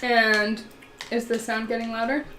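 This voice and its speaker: A woman with a put-on Southern US drawl and a slightly high voice, joking and cursing as she plays her turn in a tabletop game. She sounds blunt and playful. The room is echoey, with a little background hiss. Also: flat delivery, a little slow, fairly bright tone. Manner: playful, blunt, swears and jokes. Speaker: player. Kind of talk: casual tabletop play. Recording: echoey room with faint noise.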